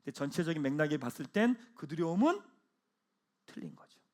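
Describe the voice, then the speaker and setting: A man preaching a Sunday sermon as pastor, swinging between loud proclamations and hushed, low asides. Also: very animated, fairly quick. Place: church sanctuary.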